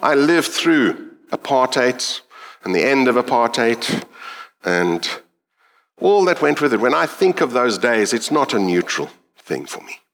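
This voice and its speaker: A middle-aged man with a South African accent delivers a sermon. He speaks earnestly and reflectively, pausing to think. His pitch swings widely across phrases. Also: very animated, fairly bright tone. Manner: reflective, earnest, with thoughtful pauses. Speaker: preacher.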